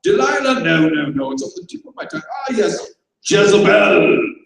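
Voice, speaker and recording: A man's voice: high-pitched, sing-song, normal speed, voice pushed up. A man voicing an indignant elderly aristocrat in a staged reading, huffing and theatrical. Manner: pompous, huffing, theatrical outrage. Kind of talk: dramatized live reading. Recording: echoey hall, voice from far off.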